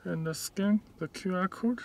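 A man who is not a native English speaker gives a step-by-step hands-on demonstration inside a car, in halting, short, simple phrases. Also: high-pitched, creaky, a little mellow. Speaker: product demonstrator.

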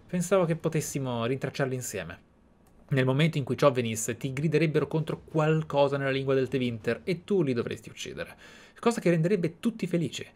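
Italian man commentating on a game. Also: medium pitch. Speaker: video game streamer. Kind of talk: game commentary with read-aloud in-game letters.

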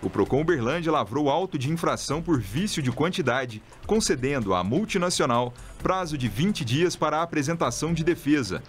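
Man from brazil, radio news presenter, fairly high voice, steady announcer reading, music bed behind. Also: fairly quick, hardly any pauses.

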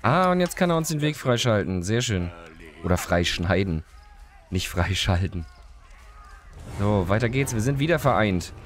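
A man's voice: fairly low pitch, sing-song, normal speed, long pauses. A man with a cold, chatting casually while playing a game and talking to the characters on screen. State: has a cold, coughing. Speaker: let's play host. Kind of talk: casual gameplay commentary.

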